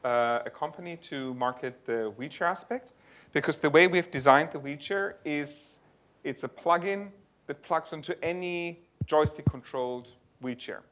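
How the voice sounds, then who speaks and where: Male conference speaker, bright and forward tone, explanatory delivery with restarts, presenting tech research and fielding questions. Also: fairly high pitch, normal speed. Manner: explanatory, thinks aloud with restarts. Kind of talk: tech talk and audience Q&A. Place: lecture venue.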